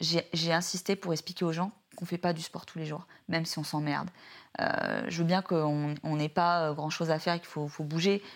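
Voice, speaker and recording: A woman with a fairly low pitch speaks at a moderate pace in a monotone with flat intonation, her loudness swinging widely on a very clean recording with a silent background. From France, Lyon. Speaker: fitness content creator. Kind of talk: casual interview chat. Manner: halting.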